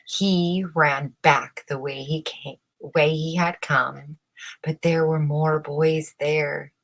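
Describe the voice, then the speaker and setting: A woman narrates a children's story at a very unhurried pace. Her voice sits a little low, and she shapes her phrases with dramatic emphasis, as in a bedtime read-aloud. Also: steady tone. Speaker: storybook reader.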